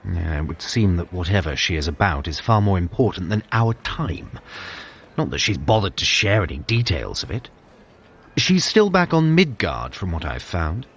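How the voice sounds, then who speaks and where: A man's voice: deep voice, big pitch swings, normal speed, husky, exaggerated voice. An actor playing a sly, haughty trickster god in an audio drama, theatrical and sarcastic, drawling his words. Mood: disdainful.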